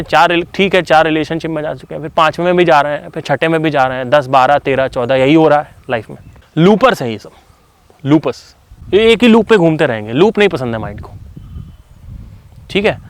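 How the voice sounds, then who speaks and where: A man's voice: a little high, lively intonation, normal speed, clear, resonant tone, no room sound. A man giving a casual motivational talk, speaking conversationally with fillers and frequent switches into English phrases. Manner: conversational, fillers like "you know".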